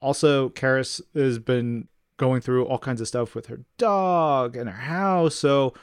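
A man's voice: medium pitch, a little slow, clear, resonant tone, no room sound, clean studio sound. A man co-hosting a podcast, chatting informally and enthusiastically and reading out listener mail. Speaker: podcast co-host.

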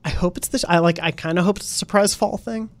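A man hosting a casual gaming podcast panel, talking in a relaxed, rambling way with plenty of fillers. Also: high-pitched, fast talker, no echo. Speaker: podcast host.

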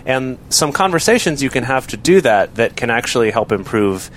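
A man co-hosting a relationship podcast, explaining ideas in a relaxed, thinking-aloud way. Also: medium pitch, moderate pace, a little hiss or hum. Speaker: podcast co-host. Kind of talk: casual chat.

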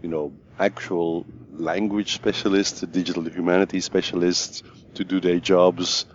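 A man hosting an interview podcast, friendly and halting, often repeating words as he asks questions. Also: low-pitched, level tone, muffled recording, a little hiss or hum. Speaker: podcast host.

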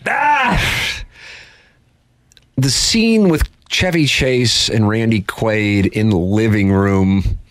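A man's voice: extremely slow, dry recording, clean studio sound. Jokey man hosting sports radio. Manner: lively, jokey, animated pitch jumps. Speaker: host. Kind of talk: casual sports radio banter.

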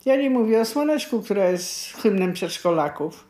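A woman's voice: mid-range voice, lively intonation, normal speed, warm tone. An older woman casually reminiscing about songs and poems of her youth, recorded in an echoey room.

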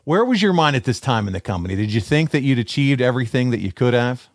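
An upbeat man hosts a conversational interview podcast. His voice sits at a middle pitch and is recorded very dry, with encouraging delivery. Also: lively intonation, fast talker, no echo. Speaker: podcast host.

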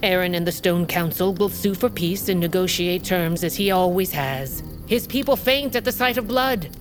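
A woman's voice: lowish voice, normal speed, music in the background, lightly acted. An actress playing a proud, hard tribal queen who gives firm orders in an audio drama. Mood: scheming. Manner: authoritative, clipped commands. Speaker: queen of a wolf tribe.

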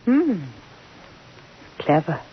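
An actress playing a gentle, restrained young lady in an old radio drama, speaking in a measured, quietly torn way. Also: medium pitch, big pitch swings, breathy edge, full character voice. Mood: composed. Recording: muffled vintage radio recording.

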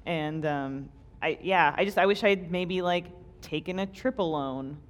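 A woman's voice: lowish voice, a little slow. A woman in her thirties co-hosting a live podcast, chatting in a loose, self-deprecating way with many fillers. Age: 30s. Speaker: podcast co-host. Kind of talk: casual chat before a live audience.

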